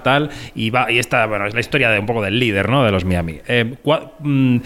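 A man's voice: medium pitch, a bit bright. A man from Madrid interviewing an actor, asking long, meandering questions full of fillers. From Madrid, Spain.

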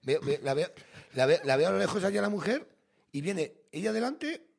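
A man, telling a comic story on a radio show, swearing often and dropping low and quiet for the people he quotes. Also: very animated, moderate pace, creaky, breathy edge. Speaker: comedian and panelist.

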